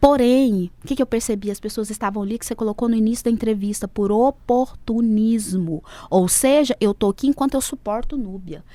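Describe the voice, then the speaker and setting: A woman with a fairly high pitch and a dark, mellow tone talks at a fairly quick pace with hardly any pauses. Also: ordinary pitch variation. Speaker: leadership consultant. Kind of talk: radio interview. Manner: fast.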